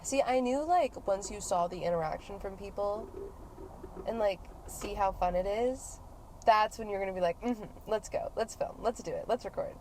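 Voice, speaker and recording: A woman's voice: medium pitch, moderate pace, darkish tone, rough recording. A woman hosting a casual, playful podcast chat in a car, slangy and swearing now and then. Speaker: podcast host and ASMR creator. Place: inside a car on the road. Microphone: podcast microphones, portable. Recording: clear car and road noise.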